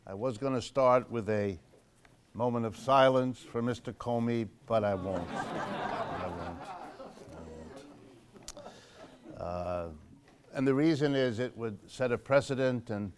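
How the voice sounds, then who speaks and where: An older man hosts a live evening talk in a church hall, speaking casually to a seated audience. His voice is smooth and resonant, and his delivery is unhurried, with dry asides and plenty of "uh"s. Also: medium pitch. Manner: dry joking, relaxed, with many "uh" fillers. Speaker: host of a monthly public lecture event.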